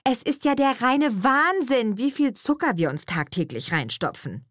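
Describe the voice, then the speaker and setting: A woman reading an audiobook, voicing a bubbly, excitable young woman friend in a chirpy, gushing way. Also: fairly high pitch, a little slow, dry recording, studio quality, voice pushed up. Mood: chatty.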